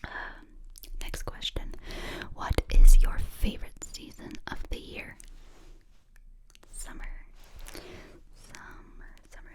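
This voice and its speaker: A woman in her twenties from the United States, whispering ear to ear as she answers viewer questions in a relaxed, chatty way. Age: 20s. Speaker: ASMR creator. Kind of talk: whispered ASMR Q&A. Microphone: close binaural mic.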